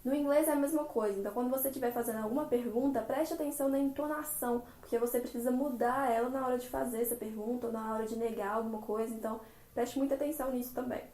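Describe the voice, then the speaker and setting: A woman with a Brazilian Portuguese accent giving language-learning tips in a chatty, expressive tutorial vlog. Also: fairly high pitch, quick pace. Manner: chatty and expressive, acts out little dialogues. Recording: roomy, echoey room.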